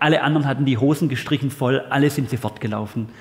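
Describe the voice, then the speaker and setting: The voice has a warm tone and is somewhat breathy. Its pitch variation is ordinary. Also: man. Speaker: preacher. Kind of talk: sermon in church. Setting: church with live audience. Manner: warm, earnest and lively, direct address to the congregation; conversational, with humor and fillers.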